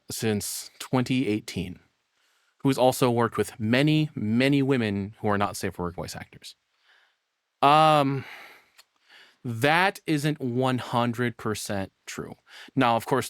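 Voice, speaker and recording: A man's voice: mid-range voice, clean tone, no echo, studio quality. An American man rambling casually on a livestream, often interrupting himself and swearing mildly. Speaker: streamer reacting to a video; voice actor.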